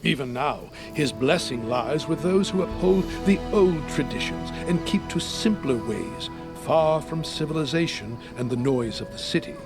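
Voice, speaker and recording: An actor voicing a devout, earnest man of faith in a video game, speaking in a formal, measured, preachy way. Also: a little high, lively intonation, over music. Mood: devout, reverent. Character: devout, earnest man preaching an old rural hunting god. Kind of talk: scripted video game dialogue.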